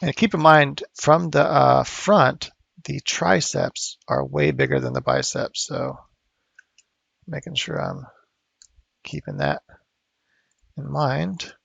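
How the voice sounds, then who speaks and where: Gravelly-voiced man rambling through a tutorial. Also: fairly high pitch, fairly even intonation, slow, long pauses, fairly bright tone, no echo, highs cut off. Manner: rambling, thinking aloud with fillers. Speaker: art instructor. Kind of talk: casual sculpting tutorial. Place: home studio.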